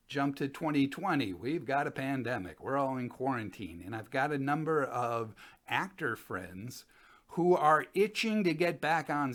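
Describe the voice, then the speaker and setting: A man's voice: mid-range voice, fairly bright tone. Older man, casually explaining. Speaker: presenter. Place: small room at home.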